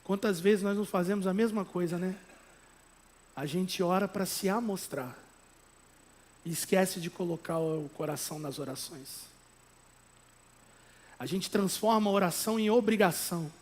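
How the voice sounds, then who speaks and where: A Brazilian man preaching a sermon as pastor, emphatic, with conversational asides and tag questions, at times rising to loud exhortation. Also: high voice, moderate pace, pauses often, slight background noise. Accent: Brazilian Portuguese.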